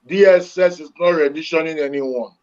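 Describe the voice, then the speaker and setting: A man's voice: on the high side, moderate pace, a little mellow. A man arguing insistently on a call, lecturing the others. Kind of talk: heated argument. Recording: dull lo-fi call audio.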